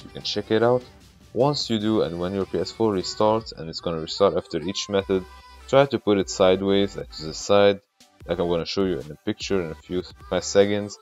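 Low-voiced man with a glitchy, robotic-sounding mic. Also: darkish tone, highs cut off. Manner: informal, talks the viewer through each step. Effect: glitchy, bitcrushed robotic-sounding mic. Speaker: tech tutorial host. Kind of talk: casual step-by-step tutorial.

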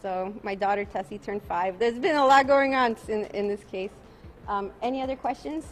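A woman in her forties, an attorney, answering reporters' questions at a night press conference outdoors. She sounds tired and talks calmly, repeating each question before she answers. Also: mid-range voice, moderate pace, soft background music, poor audio. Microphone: bank of press microphones.

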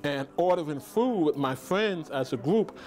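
A man's voice: fairly high pitch, lively intonation, unhurried, darkish tone. A middle-aged man, a cafe customer, speaking emphatically and pleadingly in an interview inside a cafe. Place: indoors in a cafe.

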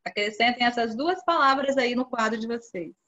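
A patient woman teacher guides young pupils through a spelling task over a video call. Her bright, fairly high voice stays clear and coaxing. The audio sounds dull and lo-fi. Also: moderate pace. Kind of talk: online class for young children.

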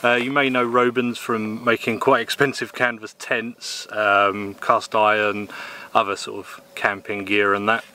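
A man in his thirties from England casually reviewing a camping table outdoors in the woods, with a relaxed manner and plenty of ums and uhs. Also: lowish voice, measured pace. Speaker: gear reviewer. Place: outdoors in woodland.

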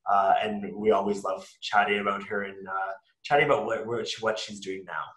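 A man's voice: lowish voice, fairly even intonation, normal speed, fairly bright tone, reverberant, rough recording. A man hosting a university webinar, talking casually with many fillers and restarts. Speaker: webinar host.

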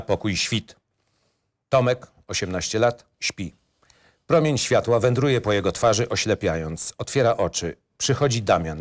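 Male narrator for screenplay reading, lowish voice, clipped and matter-of-fact.

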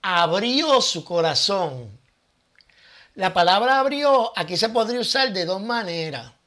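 A man's voice: high voice, sing-song, measured pace, pushed and bright. A man hosting his own channel, giving casual Bible teaching with rhetorical questions and thinking aloud.

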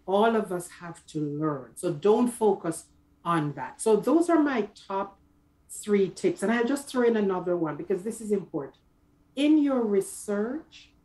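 A middle-aged woman with a mid-pitched voice gives advice as an interview guest. She phrases things deliberately and leans on key words. She is speaking over a video call from a small office. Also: a little mellow, low-quality recording. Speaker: career coach guest.

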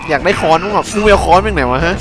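A man's voice: on the high side, very fast. A young man giving casual, crude, joking commentary while playing a horror game, talking back at the game. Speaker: gameplay commentator.

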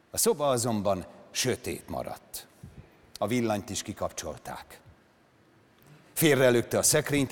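An actor performing a dramatic literary reading on stage, with slow, measured phrasing. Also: male voice, medium pitch. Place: large concert hall on stage. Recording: reverberant concert hall.

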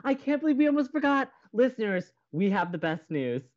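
A man playing an excitable, sweet young college radio co-host in an audio drama, eager and playful. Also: high voice, brisk, lo-fi sound. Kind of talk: naturalistic audio drama acting.

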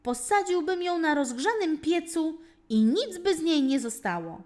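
A woman's voice: very high-pitched, very animated, unhurried, a little mellow, pitched above the performer's own voice, heavily acted. A woman voicing an outspoken, impulsive young boy in a fairy tale, with emphatic delivery. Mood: defiant. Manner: exclaiming, emphatic.

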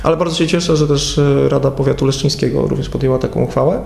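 A man in his forties, a county head, answering in a local TV studio interview, measured and full of hesitations. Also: medium pitch, steady tone, gravelly, darkish tone. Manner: measured, hesitant with many fillers. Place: TV studio at a table. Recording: echoey studio room.

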